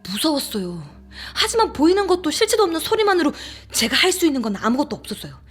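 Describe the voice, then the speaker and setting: Scared young woman telling her horror story, hushed and suspenseful, faint music underneath. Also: mid-range voice, lively intonation, normal speed, husky. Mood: growing dread. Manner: hushed, suspenseful, confiding, dropping to whispers. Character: frightened young woman recounting her haunted rented room. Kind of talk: dramatic first-person horror audiobook narration.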